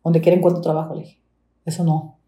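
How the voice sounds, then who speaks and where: Mexican woman with a low, dark voice. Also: quick pace. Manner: animated retelling, acts out quoted dialogue. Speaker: domestic worker guest. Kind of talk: storytelling interview. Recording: roomy echo.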